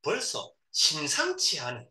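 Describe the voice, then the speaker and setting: Reading a novel aloud to his son, a middle-aged man uses a bright, forceful voice on the high side with huge pitch swings. He often pauses after passages to give simple explanations of words and acts out quoted lines. Roomy echo, faint noise, and mic distance mark the recording.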